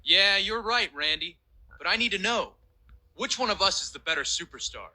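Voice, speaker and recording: A man's voice: high voice, lively intonation, normal speed, sharp tone, full character voice, low-quality recording. A young man voicing a wrestler in a game cutscene, bickering defensively with his tag partner. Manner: whiny, defensive. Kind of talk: video game cutscene dialogue.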